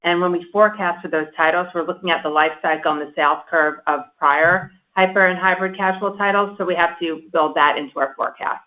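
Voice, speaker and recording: An executive with a medium-pitched voice answers a question on an earnings call. The recording is a little dull and lo-fi. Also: steady tone, brisk, few pauses. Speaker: company executive. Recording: dull conference call audio.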